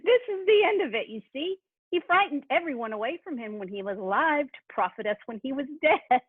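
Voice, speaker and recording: A woman's voice: sits high, lively intonation, a little fast, no room sound. A woman playing a callous, brazen working-class scavenger in an amateur dramatised reading. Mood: gloating. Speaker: library staff reader in a play. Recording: thin tinny phone-like sound.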